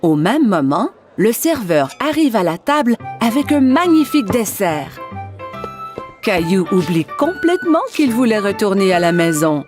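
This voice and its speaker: A woman narrating a scripted children's cartoon story in an expressive storytelling manner. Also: mid-range voice, a little slow, faint music behind.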